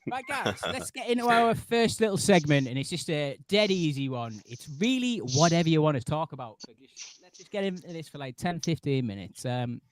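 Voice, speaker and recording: A man with a fairly high voice, hosting in an informal way. He talks conversationally to a group, and the sound is close and dry. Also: sing-song, brisk, no echo. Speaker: livestream host. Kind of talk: casual chat.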